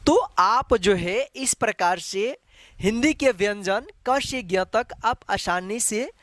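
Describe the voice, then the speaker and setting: With a high, fairly bright voice and a slow pace, a man patiently walks learners through an online Hindi lesson, saying each letter several times. "Jo hai" is his habitual filler, and the studio-quality audio has no echo.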